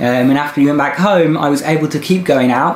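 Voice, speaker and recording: Someone speaks at a fairly quick pace with an English accent. Background noise is noticeable. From England. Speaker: YouTuber sharing personal experience. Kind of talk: personal vlog monologue. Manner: casual, conversational with fillers.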